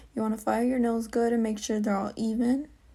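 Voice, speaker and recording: A somewhat breathy woman with a fairly high pitch, a dark, mellow tone and monotone, flat intonation. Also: very clean recording, silent background. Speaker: nail technician. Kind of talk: tutorial voiceover. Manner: halting, stumbling.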